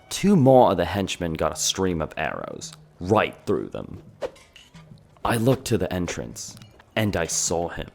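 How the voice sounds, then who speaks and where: Casting: man as conspiratorial male tavern keeper in a dark fantasy roleplay, deep voice, slow delivery, dramatic and confiding. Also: gravelly, exaggerated voice. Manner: conspiratorial, dramatic, addressing the listener directly. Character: male tavern owner, gossipy storyteller of a dark fantasy town. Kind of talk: fantasy ASMR roleplay storytelling.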